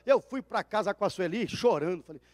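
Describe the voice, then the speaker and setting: A man with a Brazilian Portuguese accent preaching a sermon as pastor, telling a story with dramatic swings between loud cries and hushed asides. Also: high voice, lively intonation, brisk, clean studio sound. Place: church. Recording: reverberant church hall.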